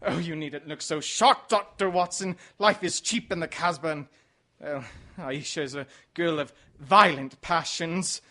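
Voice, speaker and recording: Man playing a high-pitched, suave gentleman rogue. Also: unhurried. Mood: nonchalant, evasive. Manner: suave, chuckling, theatrical. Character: debonair, sly English gentleman exile, Foreign Legion deserter. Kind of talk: radio mystery drama acting.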